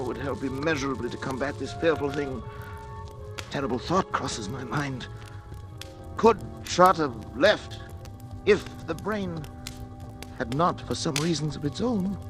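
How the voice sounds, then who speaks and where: An actor in an old radio drama playing a frightened scientist, theatrical and prone to frantic outbursts. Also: male voice, fairly high pitch, natural voice. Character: frightened male scientist, haunted by his creation. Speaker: lead actor and narrator of diary entries. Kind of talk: 1940s radio acting. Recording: old radio broadcast with music.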